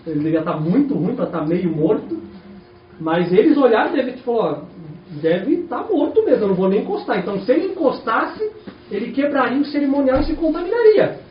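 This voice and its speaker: Animated preacher in an echoey hall. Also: male voice, extremely high pitch, a little fast, a little hiss or hum. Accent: Brazilian Portuguese. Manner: animated, rhetorical questions to the congregation. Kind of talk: sermon. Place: church hall. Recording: echoey, distant, dull church recording.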